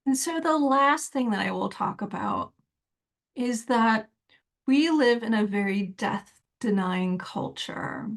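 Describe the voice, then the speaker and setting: A woman giving a reflective solo talk as a spiritual teacher, measured and thoughtful with soft laughs between points. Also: on the high side, big pitch swings.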